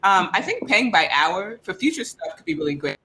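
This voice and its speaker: A young man with a high, bright, forward voice. He chats informally on a panel, halting and restarting as he goes, a little self-effacing. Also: big pitch swings. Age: young adult. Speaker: audio drama creator on a panel. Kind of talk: casual chat.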